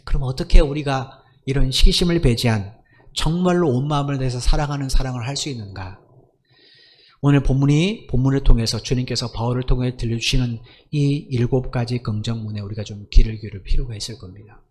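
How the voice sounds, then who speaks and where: A man's voice: mid-range voice, brisk, darkish tone. A male pastor preaching a Sunday sermon, emphatic, asking the congregation rhetorical questions.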